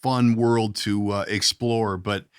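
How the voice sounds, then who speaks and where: A man's voice: lowish voice, fairly even intonation, takes it slowly, smooth, dry recording. Dry, close-sounding man hosting casually. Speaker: podcast host. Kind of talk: casual chat interview.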